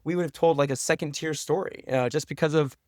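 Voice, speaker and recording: Casual, earnest man, slightly high voice. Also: fairly even intonation, fast, darkish tone, no echo, clean studio sound. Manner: earnest, informal, peppered with "you know" and "like". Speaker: podcast guest, professor and documentary maker. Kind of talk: casual conversational interview answers.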